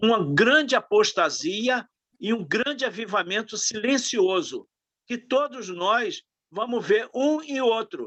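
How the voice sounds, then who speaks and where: A man with an extremely high pitch speaks at a very slow pace with lively intonation. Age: 70s. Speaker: pastor. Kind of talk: Bible study discussion. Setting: church during a power outage.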